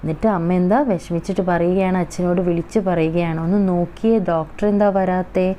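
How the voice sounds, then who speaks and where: A woman with a Malayali accent explains a Hindi lesson for schoolchildren, reading each line slowly and then explaining it. Her voice sits low and mellow. Faint ambient noise runs under the recording. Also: fairly even intonation. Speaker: Hindi teacher.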